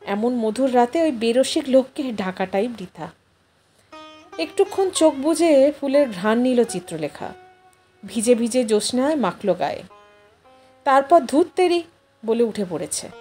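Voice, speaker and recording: A woman reads a literary story in a high, very animated voice. Her narration is expressive, and music plays behind her. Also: moderate pace.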